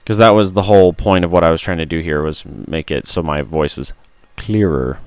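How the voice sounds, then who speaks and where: A tired, hoarse man with a gruff, rough voice streaming a game, chatting and muttering to himself on a close mic. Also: low voice, moderate pace, darkish tone, dry recording. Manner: mutters to himself while playing. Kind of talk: casual gameplay stream chat. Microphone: close studio mic.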